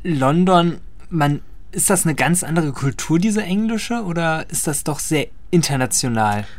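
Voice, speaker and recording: A man's voice: a little high, lively intonation, measured pace, dry recording. A man hosting a casual radio interview, chatty and asking questions. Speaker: radio host.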